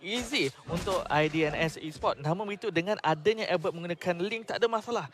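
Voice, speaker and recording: Malaysian dude doing live esports commentary, highish voice, animated announcer style w/ some analysis. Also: male voice, fairly quick.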